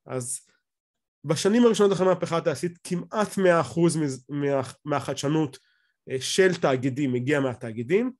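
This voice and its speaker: A man's voice: on the high side, expressive, darkish tone. A middle-aged man with an Israeli accent explains things in an off-the-cuff lecture on a video call, often restarting his phrases. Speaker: academic lecturer. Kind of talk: explanatory lecture over slides, speaking off the cuff.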